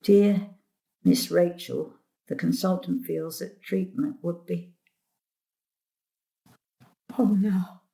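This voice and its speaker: A woman's voice: on the low side, fairly even intonation, slow, vocal fry, long pauses, mellow. An actress playing a querulous, mischievous old grandmother, grumbling and theatrical, in an audio drama. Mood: muttering, curious.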